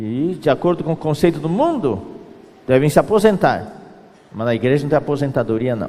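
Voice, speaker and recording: Against noticeable background noise, a man's voice moves in very wide pitch swings. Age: 60s. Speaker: pastor. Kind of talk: sermon.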